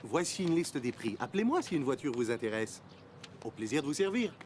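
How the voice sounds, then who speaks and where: A man's voice: medium pitch, very animated, a little fast, darkish tone, a little hiss or hum, close to an everyday voice. A man voicing a polite, eager car salesman in a cartoon, courteous and salesy, over music. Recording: music playing behind.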